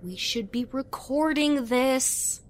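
A woman's voice: high-pitched, slow, a little hiss or hum. A woman playing an eager, earnest young woman who believes in ghosts and plays along politely. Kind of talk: audio drama acting.

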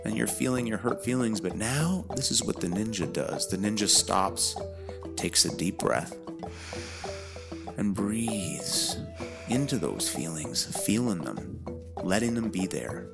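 A man gently guiding young children through a calm grounding exercise, instructing them directly as a narrator. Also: lowish voice, a little slow, vocal fry. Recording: music bed under the voice. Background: music.

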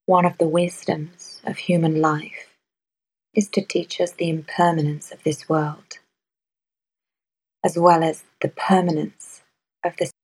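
A woman guiding a meditation in a soft, measured way, with long pauses between phrases. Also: deep voice, husky, rough recording. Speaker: meditation guide. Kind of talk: guided meditation.

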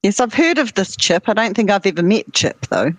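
A woman's voice: medium pitch, a little hiss or hum, low-quality recording. A woman in a band, chatting and teasing her bandmates with frequent laughter. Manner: teasing, giggly, slow and lively. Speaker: band member guest. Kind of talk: casual interview chat.

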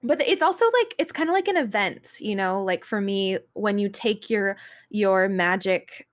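A woman's voice: medium pitch, normal speed. A woman co-hosting a podcast in casual chat, talking in an informal, conversational way. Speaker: podcast co-host and games writer.

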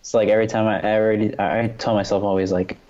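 Low, mellow-voiced man talking earnestly. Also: level tone, rapid-fire, highs cut off. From New York. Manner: earnest, full of "like" and "you know". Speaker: guest photographer. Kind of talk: casual conversation.

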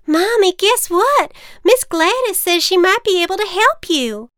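A woman's voice: very high-pitched, unhurried, no room sound, clean studio sound, pitched above the performer's own voice, exaggerated voice. A woman voicing an eager little farm girl in a children's storybook. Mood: excited. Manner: eager, excited.

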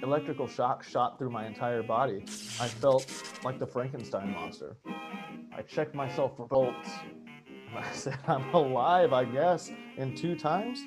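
An actor playing a frightened, rambling man who confides in his therapist, earnest, halting and stammering. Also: medium pitch, lightly acted, low-quality recording. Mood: bewildered. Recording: music behind the voice.

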